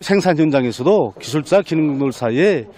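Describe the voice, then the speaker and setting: A man's voice: a little high, animated, fairly quick, darkish tone. A man with a North Korean accent, a factory worker speaking formally and matter-of-factly in an interview.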